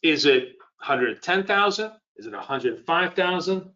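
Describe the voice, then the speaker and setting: A man's voice: a little high, lively intonation, a little slow, sharp tone, muffled recording. A man with a cold and a scratchy voice, teaching trading in a live webinar, talking loosely and quizzing his viewers. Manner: rambling, conversational, quizzes the audience. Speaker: trading educator.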